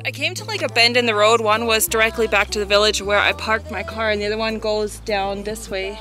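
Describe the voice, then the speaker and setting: A woman's voice: medium pitch, brisk, sharp tone, soft background music. Breathless young woman vlogging a hike. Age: young adult. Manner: chatty, breathless, candid. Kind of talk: casual hiking vlog. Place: outdoors on a mountain trail. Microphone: lapel.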